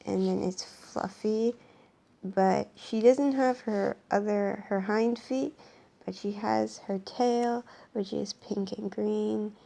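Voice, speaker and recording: Young Canadian woman vlogging at home into a camera, hoarse, mellow-toned, rambling. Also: mid-range voice, steady tone, slow pace. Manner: rambling, lots of ums and restarts. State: hoarse, voice worn from shouting. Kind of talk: casual show-and-tell vlog.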